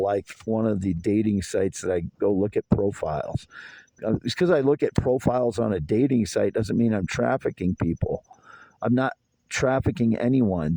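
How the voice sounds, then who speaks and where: A man's voice: mid-range voice, dark tone, no room sound, rough recording. A man in his fifties delivering a rambling, aggrieved solo monologue outdoors in a yard at night. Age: 50s. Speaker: vlogger.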